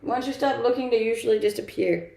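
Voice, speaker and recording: Gravelly-voiced Danish woman streamer, chatty. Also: on the high side, a little fast, warm tone, reverberant, poor audio. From Denmark. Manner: chatty, laughs often, many fillers. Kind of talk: casual live-stream chat reading viewer comments.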